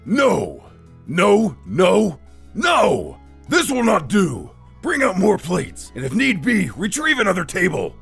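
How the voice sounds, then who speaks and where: A man playing a short-tempered, battle-hungry god of war with a raspy voice and a pompous, commanding manner in a dramatic story. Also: high-pitched, huge pitch swings, takes it slowly, a bit bright, soft background music, heavily acted. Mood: angry. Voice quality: gravelly, raspy. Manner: pompous, commanding, formal speech. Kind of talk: dramatic fan-story character acting.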